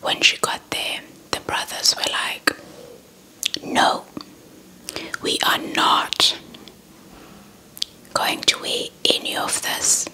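A young woman telling a story in a breathy ASMR whisper close to the mic, deliberate and softly repeating words. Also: low-quality recording. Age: young adult. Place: indoors in front of a dark cloth backdrop. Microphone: handheld small mic with fluffy windscreen, held close.

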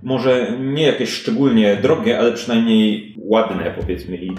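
Low-voiced male game master, roomy sound. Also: measured pace, a little mellow. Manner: conversational, descriptive. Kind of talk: improvised tabletop RPG narration. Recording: roomy sound with music behind.

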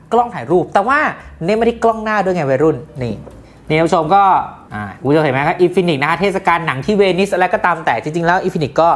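A woman with a low voice hosts a casual phone review. Her delivery swings widely up and down as she jokes and chats to her viewers in a playful way. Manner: playful and jokey, chatty asides to viewers. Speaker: tech reviewer host.

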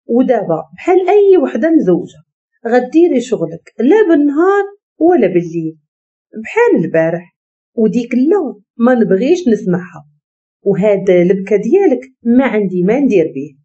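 A stern, domineering young husband gives curt orders in a Moroccan accent, as a woman narrator voices him. The tone is mellow and warm, but the commands still come through hard. The sound is slightly muffled and lo-fi. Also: on the high side, big pitch swings, brisk.

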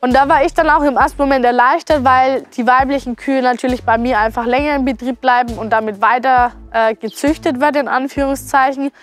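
Female farmer, twenties, high voice, relaxed interview delivery over music. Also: brisk, few pauses. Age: 20s. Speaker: farmer, vlog host. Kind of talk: casual interview to camera. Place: open-sided cattle barn. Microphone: clip-on lapel.

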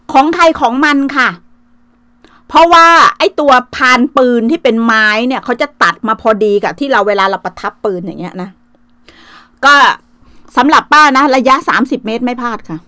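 A woman's voice: fairly high pitch, bright, forceful tone, no room sound. A middle-aged woman from Thailand hosting a casual livestream, coarse and taunting, swearing freely. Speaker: livestream host. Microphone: phone livestream.

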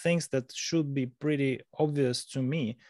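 A man in his thirties with a Russian accent hosting a podcast, halting and searching for words as he asks questions. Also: mid-range voice, fairly even intonation, darkish tone, no room sound, studio quality. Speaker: podcast host. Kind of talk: casual interview talk. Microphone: large mic on a video call.

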